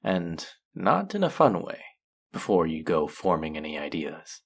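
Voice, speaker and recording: A man acts out a male faerie trickster for an intimate audio drama, with a low, gravelly voice that swings widely in pitch. He is smug and playfully stern, drawing out his words as he teases and scolds like someone firmly in charge. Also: wildly swooping pitch, heavily acted. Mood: smug, commanding. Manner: teasing, drawn-out, mock-scolding, sultry.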